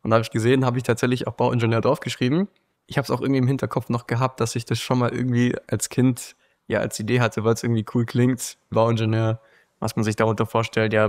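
A nineteen-year-old man talking casually in an interview, relaxed and searching for words. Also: mid-range voice, quick pace, no room sound, clean studio sound. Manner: relaxed, searching, many fillers. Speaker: interviewee, new student.

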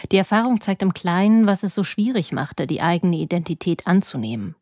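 A woman delivers a scripted radio book review in a measured, serious tone. Her voice sits low and mellow. The recording is close and dry. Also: expressive, dry recording. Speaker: radio culture reporter.

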